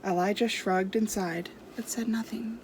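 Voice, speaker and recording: A woman's voice: medium pitch, steady tone, normal speed, darkish tone, a little hiss or hum. A woman storyteller reading a storybook aloud to children expressively.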